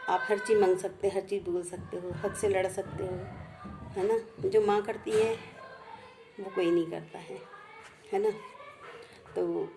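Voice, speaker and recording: A woman speaking slowly and heartfelt as she recalls her past, repeating each phrase twice. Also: medium pitch, steady tone, noisy background. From India. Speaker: vlogger sharing memories. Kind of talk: personal reminiscence.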